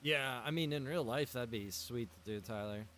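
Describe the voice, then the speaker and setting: A man's voice: medium pitch, moderate pace, fairly bright tone, slight background noise. A man streaming a game live, chatting casually with his viewers and reacting as he plays. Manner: chatty, talks to chat and game characters. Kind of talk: casual live-stream chat while playing.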